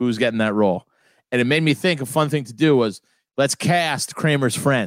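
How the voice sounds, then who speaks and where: A man's plain, everyday voice at medium pitch, moderate pace, very clean recording with a silent background. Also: ordinary pitch variation. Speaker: podcast co-host. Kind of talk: casual comedic banter.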